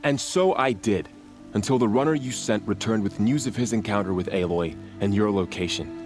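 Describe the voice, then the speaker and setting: A man's voice: fairly low pitch, moderate pace, darkish tone, natural voice. An actor playing a devoted young male tribal warrior in a video game, speaking earnestly, solemnly and formally. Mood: earnest, pleading. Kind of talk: dramatic video game acting. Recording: faint music behind the voice.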